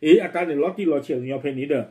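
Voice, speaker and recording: A man presenting and commenting on the news in a rapid, informal way, with many fillers. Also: a little high, mellow. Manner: quick, running commentary with frequent fillers.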